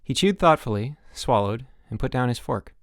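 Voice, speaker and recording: A man's voice: medium pitch, lively intonation, moderate pace, no echo, clean studio sound. A man reading an audiobook, narrating a story expressively.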